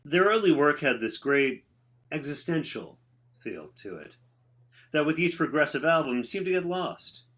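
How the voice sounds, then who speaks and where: A man's voice: fairly high pitch, very animated, unhurried, a bit bright. A man playing an earnest, bookish rock musician who explains ideas in a conversational play reading. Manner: explanatory, intellectual. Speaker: actor in a staged reading.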